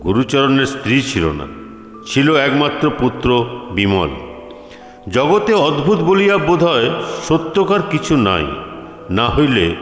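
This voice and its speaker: A man reading a literary story as narrator, with formal, deliberate phrasing. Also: a little high. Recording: echoey, long reverb, music behind. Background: music.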